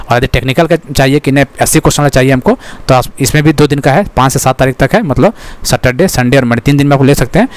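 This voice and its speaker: A man's voice: medium pitch, fast talker. A man teaching an exam-prep lesson, repeating his own questions to the class and filling with frequent checks like "okay". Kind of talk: fast exam-prep lecture.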